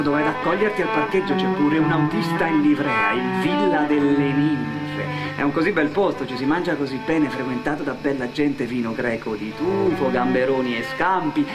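A man narrating a dramatic theatre monologue for radio in a declamatory way, addressing his character directly. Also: fairly high pitch. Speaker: narrator and performer. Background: music.

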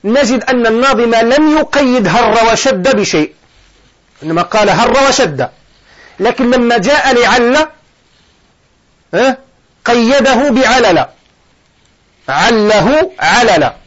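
This sheikh's Arabic morphology lesson explains a grammar poem about verb forms; he asks his students questions and answers them himself. His extremely high, somewhat bright voice is unhurried with long pauses, and the audio's highs are cut off.

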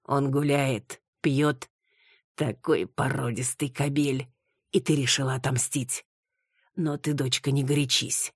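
A woman's voice: a bass voice, fairly even intonation, measured pace, husky, dry recording, studio quality, heavily acted. A woman reading an audiobook, voicing a nosy elderly woman who lectures and gives advice. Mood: advising. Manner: lecturing, prying.

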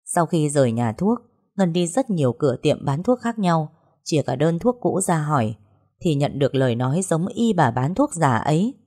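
Low-pitched woman narrator, steady scripted storytelling. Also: normal speed.

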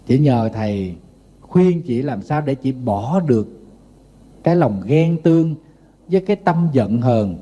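A middle-aged Buddhist monk with a Southern Vietnamese accent delivers a sermon full of funny anecdotes, telling them in a lively way. His mid-range voice is husky, and the recording has its highs cut off.

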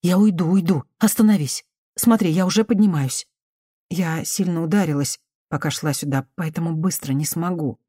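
Мягкий, негромкий женский голос в исполнении чтицы уговаривает терпеливо и примирительно. Тон низкий и приглушённый, речь осторожная, без нажима. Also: female voice, on the low side, normal speed, breathy edge, no echo, clean studio sound. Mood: calming. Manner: soft, conciliatory, hushed. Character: cautious gentle woman, soothing and patient.

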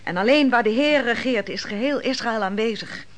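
A woman playing a shrewd, mocking wine server in a radio play, speaking in a measured, didactic and theatrical way. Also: fairly high pitch, a little hiss or hum, lightly acted. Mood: mocking, cutting. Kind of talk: Dutch radio play acting.

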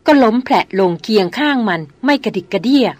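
A woman's voice: a little high, lively intonation, fast talker, no echo. Woman narrating a novel, dry close sound. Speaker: audiobook narrator.

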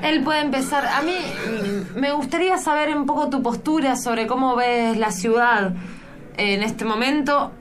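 A woman's voice: sits high, unhurried, a crowd in the background. Playful Argentine woman radio host. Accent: Rioplatense Spanish. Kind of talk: comedy radio hosting.

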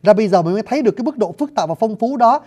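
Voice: medium pitch, expressive, racing, warm tone. A lecturer, explaining at length and often addressing listeners directly. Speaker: lecturer on scripts and languages. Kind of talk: spoken lecture.

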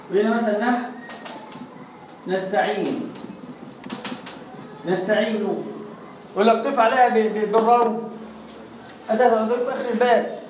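A Quran recitation teacher with an Egyptian accent, giving a classroom lesson and slowly reciting example words again and again to demonstrate. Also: medium pitch, noisy background. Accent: Egyptian Arabic. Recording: echoey room, voice far from the mic.

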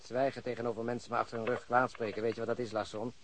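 Male actor critical policeman in radio play, brisk mid-pitched speech, controlled, slight hiss. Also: level tone, close to an everyday voice. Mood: reproachful. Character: terse, critical police colleague, calmly argumentative. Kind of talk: radio drama acting.

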